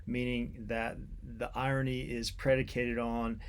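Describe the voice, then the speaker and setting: A man giving an unscripted academic literature lecture in a halting, deliberate way, repeating words as he explains. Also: mid-range voice, little pitch movement, a little hiss or hum.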